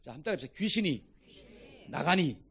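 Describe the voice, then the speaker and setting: A male pastor preaching an interactive sermon, asking the congregation questions and shouting commands at demons. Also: fairly high pitch, sing-song, quick pace, vocal fry, slightly rough. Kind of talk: interactive sermon with call-and-response.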